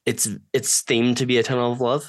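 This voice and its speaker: A man co-hosting a podcast in casual chat, dropping quick wry quips. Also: medium pitch, level tone, no echo. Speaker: podcast co-host.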